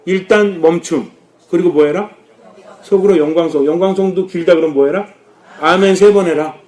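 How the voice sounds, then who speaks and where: A man's voice: high-pitched, moderate pace. A man, a Catholic priest, preaching a sermon, asking the congregation questions and answering them himself. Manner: lively, rising and dropping with emphasis.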